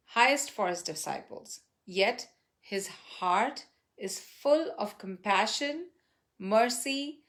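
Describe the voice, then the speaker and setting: A woman reads a written devotional testimonial aloud, reverent and measured, going phrase by phrase with pauses between. Her voice is medium in pitch and a bit bright.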